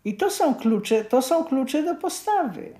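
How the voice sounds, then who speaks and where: A woman's voice: high-pitched, very animated, measured pace, warm tone. A woman explaining her view point by point in interview talk, repeating key phrases for emphasis. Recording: roomy, echoing sound.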